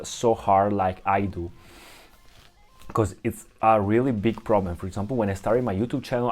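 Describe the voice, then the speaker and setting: A man's voice: fairly low pitch, darkish tone. A young man from Italy with an Italian accent, talking casually to camera in English, often restarting and searching for words. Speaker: vlogger.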